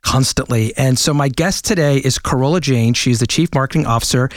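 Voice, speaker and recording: A man's voice: medium pitch, fairly quick, no echo, clean studio sound. A man hosting a marketing podcast, chatting with enthusiasm and frequent restarts. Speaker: podcast host. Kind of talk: podcast interview. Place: New York studio.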